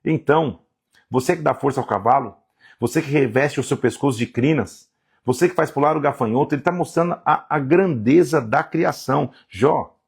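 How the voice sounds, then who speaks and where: A man preaching through a Bible chapter, his voice gravelly and husky. He reads verses aloud and exclaims with emotion, voicing God's words with rising emphasis. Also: medium pitch. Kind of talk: Bible reading and sermon.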